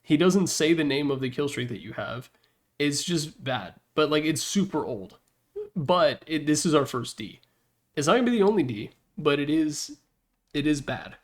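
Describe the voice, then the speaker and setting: A man's voice: on the high side, animated, normal speed. A young man giving casual, opinionated commentary on video games in an informal, slangy, joking way.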